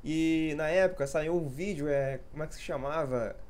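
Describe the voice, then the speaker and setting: A man's voice: fairly high pitch, normal speed, darkish tone. A man in his thirties chatting casually in a vlog, rambling and losing his train of thought, poking fun at himself. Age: 30s. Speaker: gaming youtuber.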